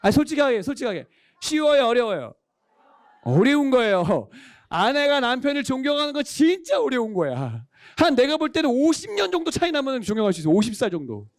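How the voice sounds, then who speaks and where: Lively high-voiced preacher. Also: male voice, brisk, dry recording, studio quality. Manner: animated, quizzes the congregation and calls for amens. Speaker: pastor. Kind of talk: sermon. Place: church worship service.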